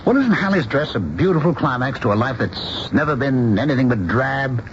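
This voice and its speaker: An actor playing an earnest, persuasive husband in a radio drama, arguing insistently with rhetorical questions. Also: male voice, mid-range voice, lively intonation, normal speed, close to an everyday voice. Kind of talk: vintage radio drama acting. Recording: dull, noisy old radio broadcast.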